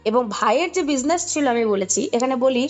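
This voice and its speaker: A woman's voice: high-pitched, expressive, brisk. A woman with a Kolkata Bengali accent recounting a story conversationally, explaining as she goes and checking in with the listener. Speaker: podcast guest recounting a ghost story.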